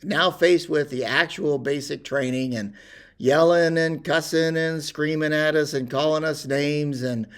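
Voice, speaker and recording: An older man telling a personal story in a rambling, unhurried way with many pauses and fillers. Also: fairly high pitch, fairly even intonation. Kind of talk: casual spoken reminiscence.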